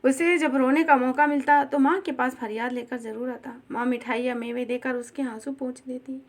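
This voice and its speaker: A woman narrating a classic short story aloud in a steady, expressive reading style. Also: high voice, normal speed.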